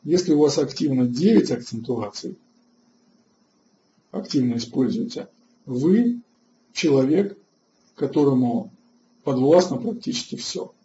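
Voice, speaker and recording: A man hosting an online webinar lecture, halting with filler sounds and restarts, and answering chat questions between points. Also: mid-range voice, lively intonation, warm tone, highs cut off, slight background noise. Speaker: webinar host.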